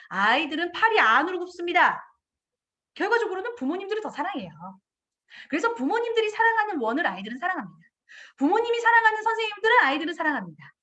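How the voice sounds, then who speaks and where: A middle-aged woman, a kindergarten director, speaks to parents in a parenting lecture. Her voice sits high and swings widely up and down. She brings the talk to life by acting out children and parents in quoted voices. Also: very animated, fast talker, sharp tone.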